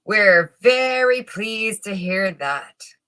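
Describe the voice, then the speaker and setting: A woman's voice: medium pitch, animated, very slow, fairly bright tone, clear, resonant tone. A woman reading a storybook as a sly male swindler weaver, coaxing and falsely polite.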